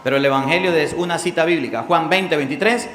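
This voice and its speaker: A man's voice: on the high side, fairly quick, fairly bright tone, slight background noise. A man preaching a sermon as a priest, asking his congregation questions. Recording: echoey hall with long reverb.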